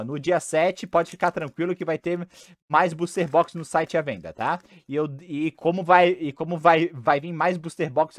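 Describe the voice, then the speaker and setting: A young man from Brazil hosting a card-opening video at home, talking casually through a headset while his voice is going hoarse. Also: on the high side, dry recording, clean studio sound. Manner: chatty, excitable, repeats himself. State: losing his voice. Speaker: card-opening channel host. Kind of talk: casual unboxing chat. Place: small room at home, indoors.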